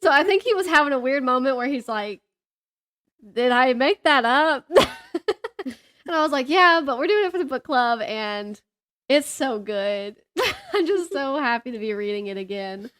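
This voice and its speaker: A woman in her thirties with a fairly high voice co-hosts a book podcast. She talks in a casual, chatty way, gushing and giggling as she goes. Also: animated, measured pace, a bit bright. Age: 30s. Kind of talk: casual chat about books.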